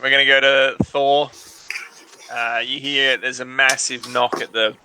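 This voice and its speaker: A man's voice: medium pitch, level tone, measured pace, noisy background. A man acting as game master, casually improvising the narration of a tabletop role-playing game.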